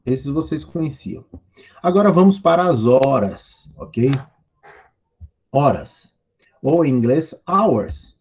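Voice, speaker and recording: A man's voice: medium pitch, animated, a little mellow, breathy edge, highs cut off. A man with a Brazilian Portuguese accent teaching a recorded online English class, stretching out each word as he drills vocabulary and numbers. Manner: slow, drawn-out drilling of English words.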